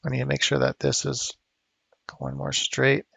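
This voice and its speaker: A man's voice: mid-range voice, completely flat delivery, normal speed, creaky, pushed and bright, breathy edge, dry recording. A man teaching digital sculpting at home, talking casually and thinking aloud with fillers as he works. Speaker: art instructor. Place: home studio.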